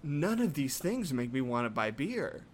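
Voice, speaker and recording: A man's voice: mid-range voice, sing-song, normal speed, a little hiss or hum. A man in casual comedic chat, rambling and mock-outraged.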